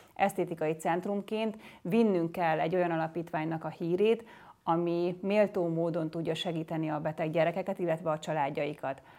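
Moderate pace and a dark, mellow tone. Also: woman, very clean recording, silent background. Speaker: doctor and aesthetic clinic director. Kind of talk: casual interview.

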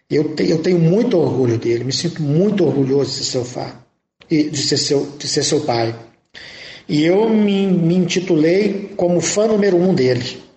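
There is audible room echo. A man talks at a fairly slow pace with lively intonation. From Minas Gerais, Brazil. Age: 50s. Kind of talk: pre-recorded testimony.

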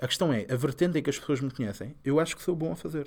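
A very clean recording with a silent background: an ordinary speaking voice, with ordinary pitch variation. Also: man. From Lisbon, Portugal. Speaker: comedian and podcast host. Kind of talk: casual chat.

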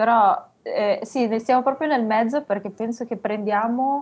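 A woman with a normal speaking voice, moderate pace and ordinary pitch variation, against a quiet background. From northern Italy, Biella. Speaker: beauty queen and artist. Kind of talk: casual chat.

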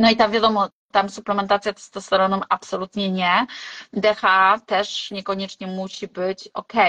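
In a dry, close sound with no echo, a woman talks at a moderate pace with a medium pitch, a bright, sharp tone and monotone, flat intonation. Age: 40s. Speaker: clinical dietitian. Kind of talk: casual chat.

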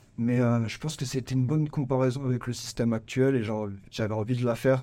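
Against a silent background in a very clean recording, a man speaks with a dark, mellow tone and fairly even intonation. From Paris region, Val-de-Marne (94). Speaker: rapper. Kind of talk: casual interview.

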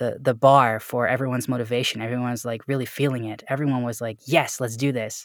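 With a Dutch accent, a man speaks at a medium pitch with ordinary pitch variation. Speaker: online chorus director and singer. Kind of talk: casual interview chat.

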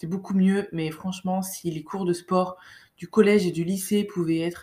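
A woman's dark, mellow voice at a medium pitch, with fairly even intonation and a fairly slow pace. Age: 30s. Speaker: podcast host. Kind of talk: casual monologue. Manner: hesitant, many fillers.

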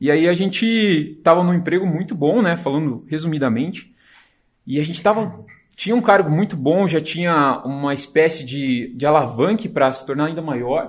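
At a moderate pace, a man speaks in an ordinary speaking voice, fairly high in pitch with ordinary pitch variation. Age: 30s. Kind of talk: casual chat.

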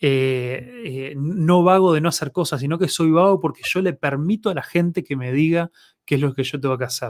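In a very clean recording with a silent background, a man speaks at a moderate pace and fairly high pitch, with ordinary pitch variation. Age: 30s. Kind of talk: casual interview chat. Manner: halting, many repetitions and fillers.

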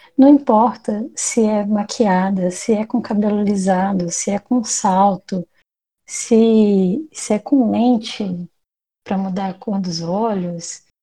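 A somewhat breathy woman's voice at medium pitch, dark and mellow in tone, at a very slow pace. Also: ordinary pitch variation. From Belo Horizonte, Brazil. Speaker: podcast co-host. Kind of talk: casual chat.

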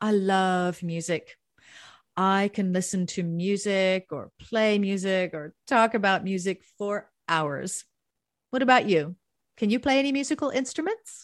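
A woman's medium-pitched voice in an American accent, an unremarkable speaking voice, with lively intonation, a fairly slow pace and a quiet background. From US, Southern California. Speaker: English teacher and podcast host. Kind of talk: scripted grammar lesson dialogue.

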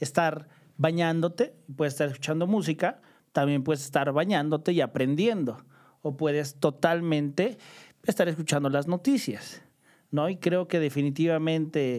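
A man with a fairly high pitch and ordinary pitch variation speaks at a moderate pace in a very clean recording with a silent background. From southern Veracruz, Mexico. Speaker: entrepreneur, podcast co-host. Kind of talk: casual chat. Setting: studio.

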